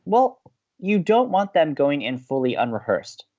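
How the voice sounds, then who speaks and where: An actor playing a romantic, excitable young man who co-hosts college radio in an audio drama, earnest and expressive. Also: on the high side, measured pace, muffled recording, a little hiss or hum. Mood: excited, playful. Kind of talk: naturalistic audio drama acting.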